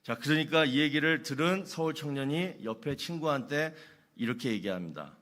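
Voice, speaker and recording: A man's voice: a little high, lively intonation, moderate pace, fairly bright tone. A middle-aged male pastor preaching a sermon, asking rhetorical questions and telling humorous anecdotes.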